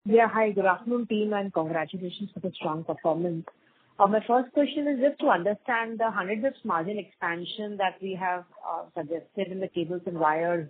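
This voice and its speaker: A woman speaks over a narrow, dry phone connection. Her voice is rough-edged and husky as she questions company management as an analyst. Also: medium pitch, a little fast, no room sound. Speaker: financial analyst. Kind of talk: questioning on an earnings call. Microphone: phone call. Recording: tinny, dry phone line.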